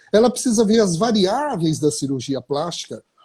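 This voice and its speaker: A man speaks at a moderate pace in a high voice, his pitch swinging very widely. Music plays behind him, and the sound is dry and close with no echo. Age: 60s. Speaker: plastic surgeon. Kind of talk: live stream interview. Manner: emphatic.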